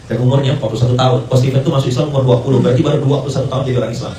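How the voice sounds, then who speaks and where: A man delivers a brisk, storytelling sermon, slipping in Arabic and English phrases and voicing the people in his story. He sounds set back from the mic, and his voice rings around a roomy hall over a faint hum of ambience. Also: medium pitch, steady tone, dark tone, far from the mic. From Indonesia. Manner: conversational, mixes Arabic and English phrases, acts out quoted dialogue. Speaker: preacher.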